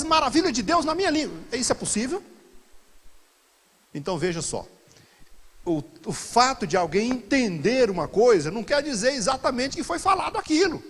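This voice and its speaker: A pastor leading a Bible study sermon to a congregation, swinging from quiet asides to loud, animated exclamations. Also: male voice, very high voice, big-room sound.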